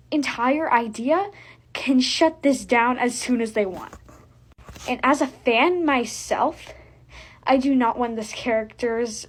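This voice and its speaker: A woman with a high voice delivers an earnest appeal as a fan. She is emphatic and admonishing, hammering her points through repetition. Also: husky. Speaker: fan making an appeal to other fans. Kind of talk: earnest public service plea to camera.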